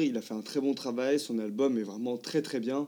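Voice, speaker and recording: Here a man speaks at a medium pitch with ordinary pitch variation. His tone is dark and mellow. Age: 20s. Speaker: art director. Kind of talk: casual chat. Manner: hesitant.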